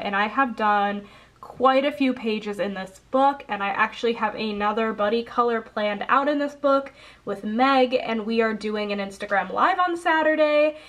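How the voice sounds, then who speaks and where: A young woman with a slightly high voice chats casually through a congested nose. She rambles a bit, dropping ums and correcting herself as she goes. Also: fairly bright tone. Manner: chatty, rambling, frequent ums and self-corrections. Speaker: coloring channel host. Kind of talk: casual haul video chat. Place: indoors at a table.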